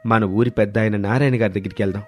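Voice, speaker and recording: A man's voice: on the low side, steady tone, very fast, lightly acted. Guy doing a village man in a moral story, emphatic and argumentative, music underneath. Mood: earnest, admonishing. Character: two village friends arguing, one greedy, one principled. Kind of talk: dramatized moral story dialogue. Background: background music.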